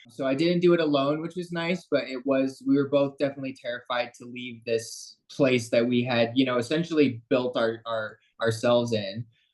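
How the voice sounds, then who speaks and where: With an American accent, a man speaks in an unremarkable speaking voice at a moderate pace, hardly pausing. His pitch is medium with ordinary variation, and his loudness swings widely. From Denver, Colorado. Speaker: tattoo artist. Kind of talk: interview.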